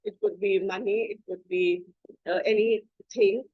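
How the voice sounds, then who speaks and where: A woman teacher giving a slide presentation on English words, explaining slowly, spelling words out and pausing on fillers. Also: medium pitch, steady tone, no room sound, narrow, tinny audio.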